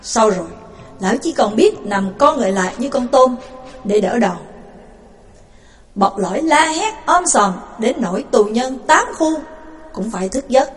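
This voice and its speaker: A woman narrating an audiobook with vivid, expressive storytelling. Her voice sits a little higher than most. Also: measured pace, faint music behind.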